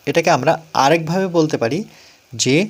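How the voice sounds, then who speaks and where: Man teaching math, slow repetitions. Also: a little high. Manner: explains step by step, repeats numbers slowly; asks questions and answers them himself. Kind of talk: classroom math lesson.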